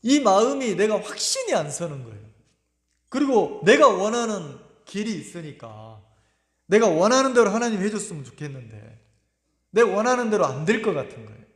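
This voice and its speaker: A middle-aged pastor preaching in a high, lively voice that rises and falls a great deal. He speaks earnestly, pausing and circling back over his words. The sermon rings through an echoey church hall with a long reverb tail. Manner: earnest, emotional storytelling with pauses and repeated words. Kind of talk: sermon with personal testimony. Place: church sanctuary.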